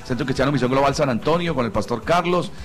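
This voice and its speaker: A man's voice: mid-range voice, fast, faint music behind. Colombian man hosting Christian morning radio. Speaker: radio show host. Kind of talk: live Christian radio talk.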